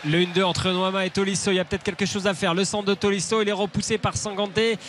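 Man, radio play-by-play football caller, high voice, noisy booth. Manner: brisk, excited calls of the action. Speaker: play-by-play commentator. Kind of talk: live radio football commentary.

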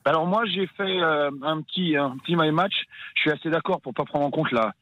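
Muffled remote line, man, fairly high voice, casual supporter chat, searching for words. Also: fairly quick, slight background noise. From northern France. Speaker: football supporter calling into a radio show. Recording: dull, band-limited remote line.

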